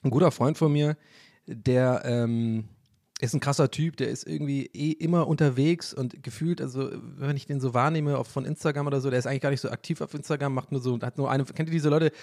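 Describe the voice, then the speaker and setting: A man's voice: mid-range voice, steady tone, a little fast, darkish tone. A young man hosting a casual solo podcast, rambling and self-mocking with jokey asides. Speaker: podcast host.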